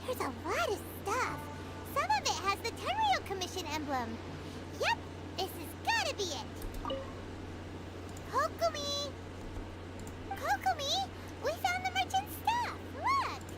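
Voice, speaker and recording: A woman voicing a small, excitable, childlike fairy companion in a video game, squeaky and eager. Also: a little slow, long pauses, heavy background noise, full character voice. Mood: alarmed, excited. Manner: exclamatory, eager, chatty. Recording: music behind the voice.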